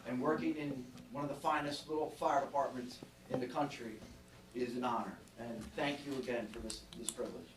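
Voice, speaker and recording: A man with a New Jersey accent, a fire department officer giving a grateful thank-you speech, halting with fillers. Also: mid-range voice, very noisy. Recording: roomy, from far off, crowd behind.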